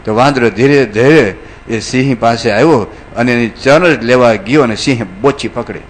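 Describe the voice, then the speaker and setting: A male monk preacher giving a storytelling sermon, animated and acting out the characters. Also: medium pitch, normal speed, slight background noise.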